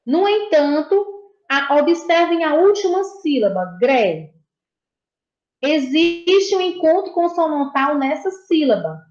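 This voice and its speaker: In a dull, echoey room, a Brazilian Portuguese woman who teaches primary school records a lesson for young children. Her voice is high and a little mellow, swinging widely in pitch at a slow pace. She is patient and encouraging, repeating each point and praising answers.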